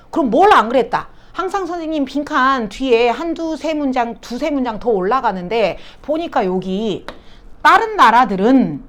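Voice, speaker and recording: A woman teaching English exam questions. She keeps asking her students questions and then answers them herself, and she drops English phrases into her explanations. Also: on the high side.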